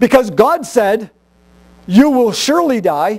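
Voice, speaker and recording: The man speaks with pitch that swings very widely. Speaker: preacher. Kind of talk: sermon. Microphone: lapel.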